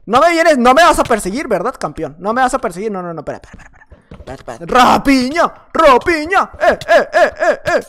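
A young man giving excitable gameplay commentary at home, chatting nonstop, repeating words and breaking into shouts. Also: very high voice, fast talker. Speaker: gaming YouTuber. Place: at home at night.

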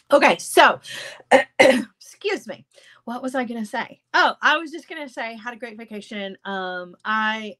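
A woman in her thirties with a stuffy, congested voice, chatting casually with viewers from her home craft room. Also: mid-range voice. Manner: chatty, animated, gestures with hands. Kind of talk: casual live chat with viewers.

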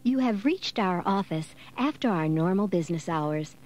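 A woman's voice: fairly low pitch, animated, darkish tone. Woman recording a polite answering machine greeting. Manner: polite, formal, measured.

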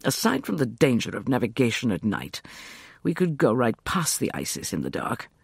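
A suave, sardonic schemer , voiced by a male reader, drawls in a low, unhurried way. His tone has a gravelly texture and a husky grain. It is read close to the mic in a dry space. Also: no echo, full character voice. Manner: irritating drawl. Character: suave, sardonic middle-aged gentleman schemer.

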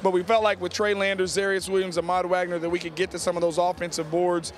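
Standing on the court of a big indoor arena after the game, this middle-aged American high school basketball coach talks into a reporter's handheld mic. He speaks quickly in a high, level voice.

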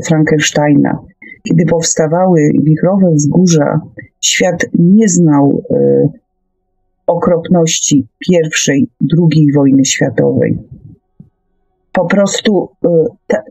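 A woman speaking hesitantly and haltingly in an unscripted radio discussion. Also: low-pitched, gravelly, mellow, lo-fi sound. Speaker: radio talk show host.

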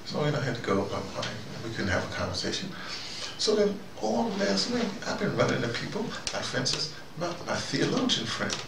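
A man hosting an informal monologue, telling anecdotes in a halting, digressive way and acting out both sides of exchanges. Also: fairly high pitch, wildly swooping pitch, creaky. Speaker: host of a recurring spoken dispatch. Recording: noisy, roomy recording, distant from mic.

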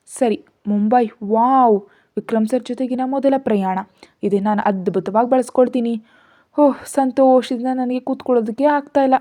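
A timid, hopeful young office assistant, as the woman narrator voices her, hesitant and faltering over her words. Her tone stays mellow and soft-edged. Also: a little high, normal speed, close to an everyday voice. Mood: excited.

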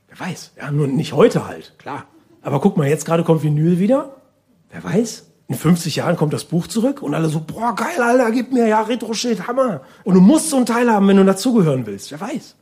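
Animated male stand-up comedian. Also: a little high. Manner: casual, chatty asides in short phrases. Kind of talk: stand-up comedy monologue, conversational.

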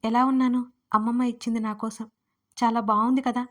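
A gentle, affectionate young woman from an audio story, voiced by a woman narrator. She talks softly and comfortingly. The voice sits a touch high and moves within a narrow range. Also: level tone, a little fast, close to an everyday voice. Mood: delighted.

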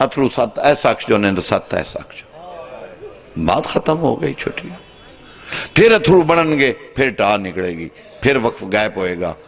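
A man from Pakistan, preaching an impassioned majlis sermon to mourners in a large tent, his voice swinging between dramatic rises and sudden drops. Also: medium pitch. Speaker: zakir preacher at a mourning gathering. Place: large tent with a seated crowd. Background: gathered mourners.

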